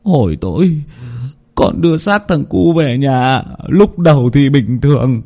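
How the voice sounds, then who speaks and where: A man voicing a tearful, desperate peasant father who pleads haltingly. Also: medium pitch, lively intonation, dark tone, voice pushed up. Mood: pleading.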